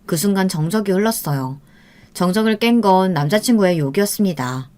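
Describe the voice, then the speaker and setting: A woman narrating a true-life story in the first person, in a steady, earnest scripted reading. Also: medium pitch, a little fast.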